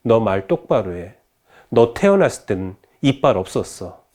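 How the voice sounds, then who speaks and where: A hard-pressed mother, as a man storyteller puts her on, speaking to her daughter in a slow, soft, apologetic way. Her voice rises and falls widely. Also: medium pitch, big pitch swings, close to an everyday voice. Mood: angry.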